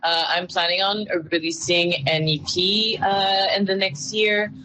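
Woman, musician guest, enthusiastic, rambling, medium pitch. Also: flat delivery, unhurried, sharp tone, poor audio. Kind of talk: casual interview. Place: outdoor festival, in a small shelter.

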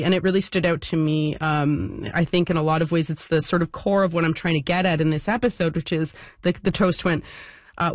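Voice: mid-range voice, no room sound. A podcast host earnestly thanking listeners and asking interview questions, with many fillers.

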